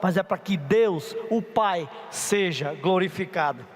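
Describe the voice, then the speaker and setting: High-voiced preacher in a big echoing hall. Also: male voice, unhurried, slight background noise. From Paraíba, Brazil. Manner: chatty, playful, asks the audience for help. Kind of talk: youth conference sermon. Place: large conference hall. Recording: reverberant hall.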